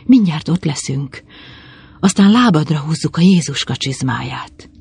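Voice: mid-range voice, lively intonation, gravelly, darkish tone. A narrator voicing a devout, trusting nun who calls out and reassures with urgent fervor, with a somewhat raised voice. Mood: reassuring.

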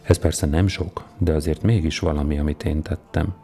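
A man voicing a stern, powerful older Roman governor in a storybook reading, with a measured, commanding manner. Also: rumbling low, fairly even intonation, warm tone, faint music behind. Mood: quiet, sly.

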